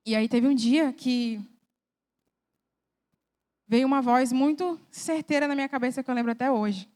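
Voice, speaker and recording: A woman's voice: high voice, moderate pace, a little mellow. A young woman from Brazil sharing a personal testimony in church, speaking earnestly and emotionally in a conversational way.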